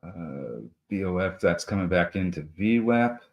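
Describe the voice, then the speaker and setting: A man co-hosting a live trading show, talking through price targets in a halting way with many fillers and restarts. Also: low-pitched, animated, lo-fi sound. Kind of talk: live market commentary.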